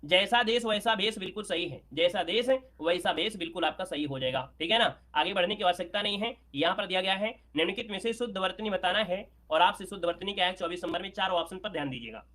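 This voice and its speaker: A man teaching Hindi grammar for an exam, working through questions aloud, repeating words and checking that it is clear. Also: sits high, quick pace, few pauses, sharp tone. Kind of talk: exam prep lesson.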